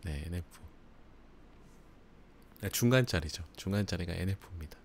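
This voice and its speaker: A man's voice: low voice, moderate pace, gravelly, slight background noise. A man hosting a live book review, chatting casually with frequent laughs and fillers. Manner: chatty, laughs often, filler-heavy asides. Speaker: book channel host.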